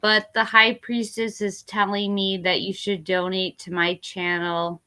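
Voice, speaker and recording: A woman's voice: medium pitch, little pitch movement, a little slow, bright, forceful tone, clear, resonant tone. A tipsy woman hosting a casual livestream tarot reading, rambling with fillers and laughing as she talks. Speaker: tarot reader and livestream host.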